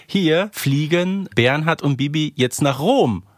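A man's voice: a little high, expressive, slow, no echo. A man co-hosting a podcast, casually discussing and commenting in a conversational way, often seeking agreement with tag questions. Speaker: podcast co-host. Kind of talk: casual discussion and commentary on an audio drama series.

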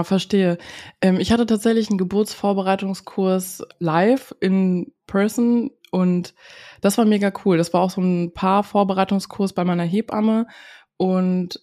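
A woman's voice: mid-range voice, a little mellow. Nasal, congested woman podcast host. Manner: upbeat, chatty, leads the talk. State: nasal from a cold. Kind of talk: casual podcast chat.

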